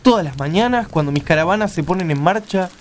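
A man's voice: high-pitched, animated, fast, slight background noise. A man with an Argentine accent playing a blunt, skeptical, weary caravan-leader father in a radio play. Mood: troubled, earnest.

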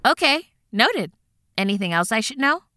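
Bright cheerful caseworker. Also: female voice, on the high side, very animated, moderate pace, dry recording. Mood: businesslike. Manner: cheerful, reassuring, businesslike. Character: upbeat adult woman housing caseworker. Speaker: housing phone agent.

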